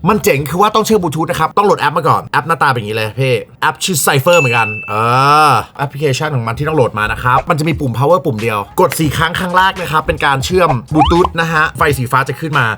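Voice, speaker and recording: Fast-talking excitable male tech vlogger. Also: on the high side, music in the background. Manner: excitable, swears freely, jokey outbursts. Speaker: tech reviewer. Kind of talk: casual unboxing vlog.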